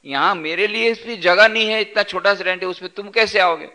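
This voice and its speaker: Flustered tent-dweller in a spoken parable, bright raised voice, a male preacher acting it. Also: sits high, a little fast, voice pushed up. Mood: exasperated. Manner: exasperated protesting. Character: put-upon desert traveller in a cramped tent.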